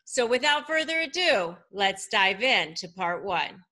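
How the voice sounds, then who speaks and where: Female show host, 40s, bright and effusive, interviewing over a video call. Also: mid-range voice, sing-song, a little slow. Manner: enthusiastic, effusive. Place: indoors, small bright room. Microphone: video call with earbuds.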